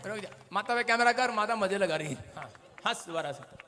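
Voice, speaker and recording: A man's voice: sits high, lively intonation, brisk, loud music behind the voice. A man pastor preaching a playful deliverance sermon in church, joking with people and bossing the congregation and camera around. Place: church service before a congregation.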